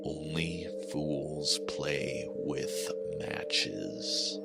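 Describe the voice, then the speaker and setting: A man voicing a dead miner possessed by a devil, speaking slowly with low, measured menace over background music. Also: fairly even intonation, gravelly, exaggerated voice. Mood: menacing. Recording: music playing behind.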